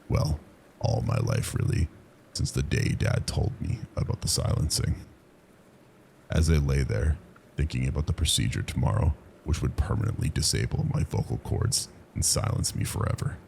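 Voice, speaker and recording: Horror story narrator: male, rock-bottom firm deep voice, thick gravelly fry, deliberate delivery, noticeable background noise. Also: darkish tone. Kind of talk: scripted first-person horror story narration.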